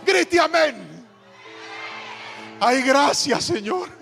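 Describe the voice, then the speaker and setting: A man in his thirties, a pastor preaching with passion and then softening into a quiet personal story. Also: extremely high pitch, big pitch swings, drawn-out words, gravelly. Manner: impassioned preaching, dropping to soft storytelling. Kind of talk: sermon. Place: large church hall. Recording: reverberant hall with soft music.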